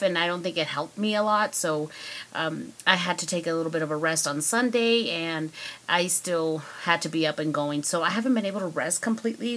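A woman's voice: lowish voice, fairly bright tone. A woman hosting her own podcast, talking casually with many fillers while congested from a cold. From United States. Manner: chatty, rambling with many fillers. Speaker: podcast host. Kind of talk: casual solo podcast monologue.

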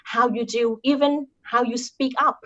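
This woman's voice leans high and fairly bright, with mostly even intonation and an unhurried pace, captured on lo-fi sound. She's a Thai guest from Thailand in an interview, earnestly advising on careers and repeatedly tacking "right?" onto her points.

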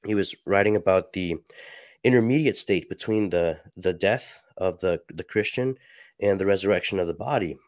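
A man with a very low voice hosts his solo podcast, sounding congested from a cold. He speaks softly and reflectively, pausing often with fillers as he reads passages aloud. The recording is dry and close, with no room sound. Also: dry recording. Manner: soft-spoken, halting with many fillers. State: stuffy, a little sick. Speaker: podcast host.

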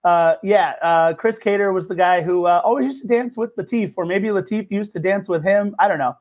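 A man co-hosting a casual sports podcast, throwing in quick jokes and teasing his partner. His voice sits notably high for a man. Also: darkish tone, highs cut off. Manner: wisecracking, teasing. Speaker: podcast co-host.

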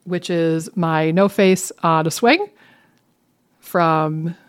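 Recorded on a webcam, a podcast co-host chats in a playful, casual way, tossing in dramatic asides. Her voice sits low and sounds clean, and she draws her words out.

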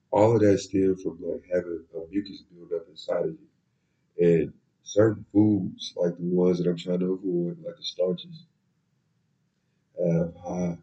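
A young man with a very low, dark voice talks in a loose, rambling way, sprinkling in slang. He sounds nasal and stuffed up from a cold. The audio is a bit dull and muffled. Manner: laid-back, rambling storytelling with slang. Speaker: podcast host. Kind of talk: casual solo podcast talk.

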